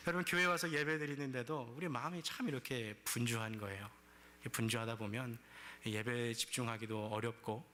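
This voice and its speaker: A man's voice: medium pitch, a bit bright, a little hiss or hum. A male pastor preaching a sermon, telling the story vividly and acting out complaints in quoted speech.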